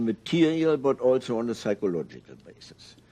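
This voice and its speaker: A man speaks with a German accent and a dark, mellow tone. The background is quiet. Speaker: philosopher. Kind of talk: interview answer. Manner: slow, measured, precise.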